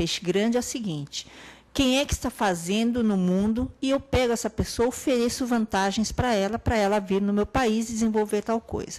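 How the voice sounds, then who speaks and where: A woman uses a normal speaking voice at a fairly high pitch and a moderate pace. Her pitch variation is ordinary and her loudness very even. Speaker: physician and public health speaker. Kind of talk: panel talk answering audience question.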